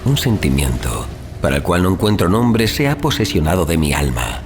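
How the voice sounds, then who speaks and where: A man's voice: low-pitched, very animated, normal speed. A man reading a horror tale as a dramatic audiobook narration, in a solemn, literary and theatrical delivery. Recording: music under the voice. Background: music.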